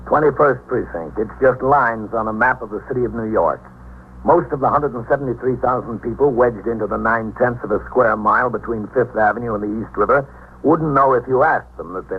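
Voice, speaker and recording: An actor playing a male police captain who narrates his precinct's work in a 1950s radio drama, speaking in a measured, deliberate way. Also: medium pitch, natural voice. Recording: tinny lo-fi 1950s radio broadcast with faint hiss.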